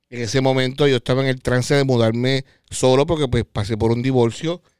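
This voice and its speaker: At a fairly quick pace, a man talks in an ordinary speaking voice at a medium pitch. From New York. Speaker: online media co-founder. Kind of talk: casual chat.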